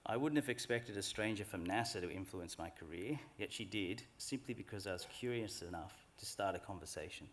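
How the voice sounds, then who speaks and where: A middle-aged man speaks in a fairly low voice. He delivers a formal graduation address at a lectern in a large hall, unhurried, earnest and reflective. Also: a little hiss or hum. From Australia.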